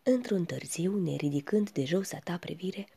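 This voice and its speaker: Woman reading poems real slow and hushed, breathy husky voice, kinda mellow. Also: lowish voice. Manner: slow, hushed, often sinking to a whisper. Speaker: reader. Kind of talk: poetry recitation.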